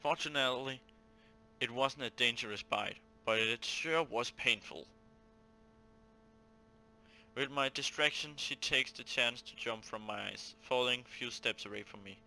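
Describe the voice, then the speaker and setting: A man hosting a let's play, reading a visual novel aloud and breaking off into animated, jokey asides. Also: medium pitch, unhurried, creaky, poor audio.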